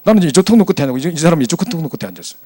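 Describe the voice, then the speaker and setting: Brief: male pastor, lively storyteller, quick and fairly high voice. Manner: animated, chatty storytelling with acted quotes. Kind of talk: storytelling sermon to young adults.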